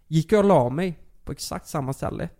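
A young man tells a story in a relaxed, chatty way. His voice has a gravelly, fried edge. He talks with lots of fillers and curses, and his delivery is animated. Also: fairly high pitch. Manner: animated, many fillers and swearing. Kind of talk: casual storytelling.

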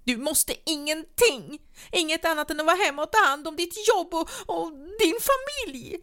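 A woman voicing a desperate young woman who shouts at her partner, shrill and close to tears. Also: expressive. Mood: frantic shouting.

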